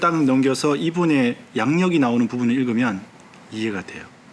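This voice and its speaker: In a Gyeongsang accent, a man talks with lively intonation at a moderate pace. Noticeable background noise is present. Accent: Gyeongsang accent, trouble with some sounds. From Gyeongsang region, South Korea. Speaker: book reviewer. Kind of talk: book review vlog.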